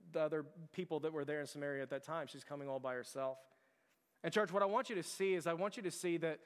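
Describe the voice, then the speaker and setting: A man's voice: a little high, clear, resonant tone. A man preaching a sermon, telling a story in a conversational, earnest way. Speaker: pastor. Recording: long hall reverb.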